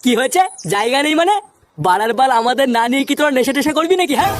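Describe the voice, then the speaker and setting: A woman's voice: high voice, animated, rapid-fire, no room sound. A woman voicing an angry older man in a cartoon who scolds, swears and threatens. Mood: scolding.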